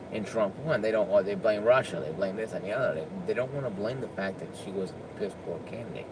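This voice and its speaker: Low-voiced man ranting over a humming background. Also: noisy background. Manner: emphatic, with frequent stammered restarts. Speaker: political commentator. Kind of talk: unscripted opinion rant.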